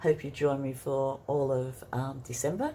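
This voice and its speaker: This woman's voice is somewhat breathy. It has a dark, mellow tone. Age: 70s. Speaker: crafting vlogger. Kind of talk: casual vlog monologue.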